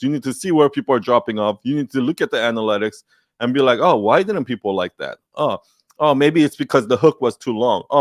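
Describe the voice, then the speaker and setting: Animated swearing man, dry sound. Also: a little high, dry recording. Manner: animated, swears often, acts out quoted advice. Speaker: online creator answering questions. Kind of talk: casual livestream talk.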